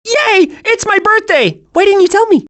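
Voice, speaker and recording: A man voicing an excitable, scatterbrained, cheerful young male squirrel with a childlike, eager delivery in an animated video game. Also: very high-pitched, normal speed, exaggerated voice. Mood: giddy, excited.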